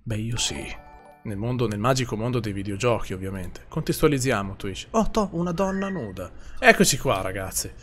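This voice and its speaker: A man's voice: mid-range voice, faint music behind. A young man streaming a horror game live, chatting casually with his viewers, swearing often and rattling off their names. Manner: lively, swears casually, reads chat names quickly.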